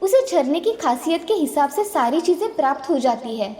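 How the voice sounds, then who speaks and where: A woman voicing a kind forest fairy queen who speaks gently and soothingly in an animated storybook. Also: high voice, moderate pace. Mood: gentle.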